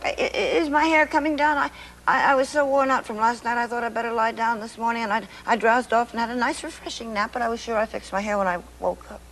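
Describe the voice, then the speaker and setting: A woman's voice: on the high side, steady tone, quick pace, a bit bright, slight background noise, low-quality recording. An actress playing a fragile, middle-aged mother who stammers nervously and turns to scolding in a filmed stage drama. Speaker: mother of the family.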